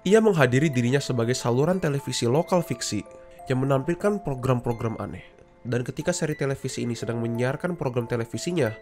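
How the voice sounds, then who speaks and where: Male video essay host, casual explainer, middle-pitched voice, faint music underneath. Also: darkish tone. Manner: casual, explaining step by step and addressing viewers directly.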